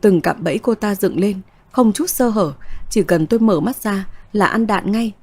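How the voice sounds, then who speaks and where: A woman reading a first-person story aloud as its narrator, in a steady, even way. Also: medium pitch, normal speed, husky.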